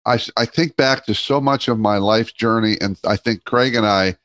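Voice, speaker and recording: A man's voice: lowish voice, normal speed, a bit bright, no room sound. Man hosting a podcast. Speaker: podcast host.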